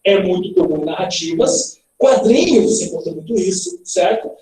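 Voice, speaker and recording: A man teaches grammar in a lively, playful manner and keeps tossing questions to his students. His voice swings widely in pitch and has a soft, mellow tone. He is heard from a distance in a very echoey room, with faint background noise. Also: moderate pace. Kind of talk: recorded online grammar lesson. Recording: roomy echo, heard from a distance.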